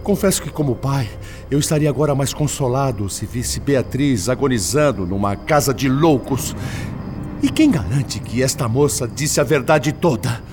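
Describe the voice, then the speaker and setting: A man voicing an older grandfather's spirit in a radio drama, talking. He is bitter and agitated, and his mid-pitched voice swings widely in exclamation. Soft music plays behind him. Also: lively intonation, normal speed, natural voice. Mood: distressed.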